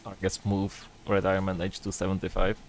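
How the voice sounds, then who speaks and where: A man's voice: sits low, completely flat delivery, fairly quick, a little hiss or hum. A man streaming a game, chatting casually with a joking, sarcastic manner. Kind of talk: casual gaming stream chat.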